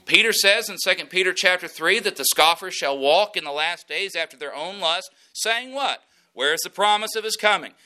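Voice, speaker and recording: Folksy preacher, bright voice. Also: male voice, high voice. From West Texas. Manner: folksy storytelling, animated preaching. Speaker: pastor. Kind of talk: sermon.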